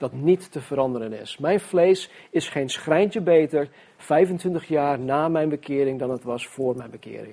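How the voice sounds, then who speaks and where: A man uses a normal speaking voice at a fairly high pitch. He keeps a moderate pace with ordinary pitch variation. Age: 50s. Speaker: pastor. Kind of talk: sermon.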